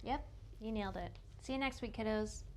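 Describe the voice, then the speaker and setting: A woman co-presenting a children's church show, calm and encouraging in a teacherly way. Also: medium pitch, fairly quick, heavy background noise. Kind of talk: kids' show banter.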